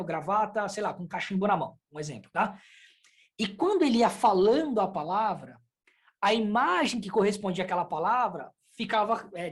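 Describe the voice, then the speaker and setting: A woman from Brazil talks through a relaxed online lesson with a mid-range voice. She explains ideas in a chatty, conversational way, piling up everyday examples and little asides as she goes. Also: medium pitch. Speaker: sign language teacher.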